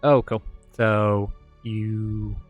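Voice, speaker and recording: A man narrating as game master, talking in a halting way full of fillers and restarts. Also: on the low side, flat delivery, faint music behind.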